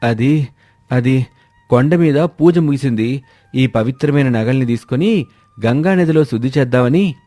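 A man playing a scheming village husband who poses as a holy man, smooth-talking and persuasive, in a storybook dialogue. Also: mid-range voice, normal speed, pauses often, mellow, close to an everyday voice. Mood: nervous excuses. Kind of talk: scripted animated moral-story dialogue. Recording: background music under the voice.

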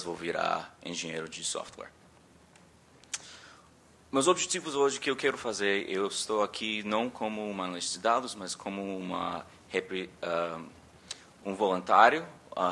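A man in his thirties with an American accent gives a talk from a conference table. His voice sits low but carries a bright, forward edge. He stops often to search for words and makes light of his own slips. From born in Rio, raised in Chicago. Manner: halting, searching for words, self-deprecating. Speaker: conference speaker. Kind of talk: conference presentation. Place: conference hall. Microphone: table microphone.

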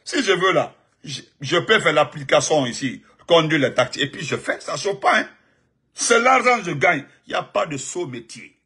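A man delivering a heated, mocking political monologue, given to sudden high outbursts and laughter. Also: animated, normal speed, bright, forceful tone, slightly rough. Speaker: political commentator. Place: United States.

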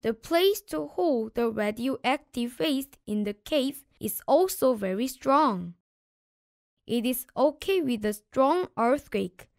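Woman doing a confident young boy in a kids story, animated, unhurried, teasing big brother type. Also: sits high, vocal fry, no room sound, studio quality, exaggerated voice. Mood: reassuring. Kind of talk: English audiobook children's storybook acting.

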